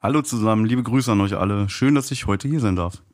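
A man's voice: lowish voice, brisk, a little mellow. A man speaking as a podcast guest, casually telling his own story as a fan.

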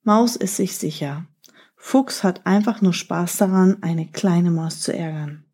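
A woman's voice: on the low side, measured pace, husky. Woman telling children a story. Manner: warm-hearted, plainly explaining to children, with fillers. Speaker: children's podcast host and storyteller. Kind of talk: reading a children's story, then explaining it.

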